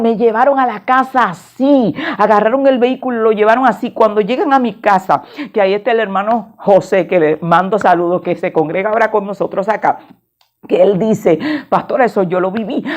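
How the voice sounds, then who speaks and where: A middle-aged woman preaches, turning her testimony into a vivid story and acting out each voice in it. Her pitch sits in a middling range, and the recording sounds a little dull and lo-fi. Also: a little mellow. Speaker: pastor. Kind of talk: sermon testimony.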